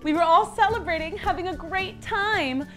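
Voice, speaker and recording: A woman's voice: very high voice, normal speed, bright, forceful tone. A woman hosting children's stories, narrating a fairytale in the first person with playful, comic, theatrical asides. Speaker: children's story host. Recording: music behind the voice.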